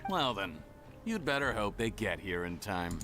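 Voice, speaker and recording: A man's voice: fairly low pitch, very animated, moderate pace. A man playing a cold, scheming, smugly menacing villain in a video game, with a sneering, theatrical manner. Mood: menacing, gloating. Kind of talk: English video game voice acting. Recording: loud game music behind the voice.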